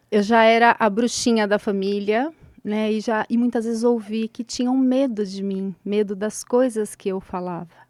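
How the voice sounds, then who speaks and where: A woman with a fairly high pitch talks at a moderate pace in an ordinary speaking voice, her intonation fairly even, on a very clean recording with a silent background and a dry, close sound with no echo. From small town in inland Brazil. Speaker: integrative therapist. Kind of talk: interview, personal testimony.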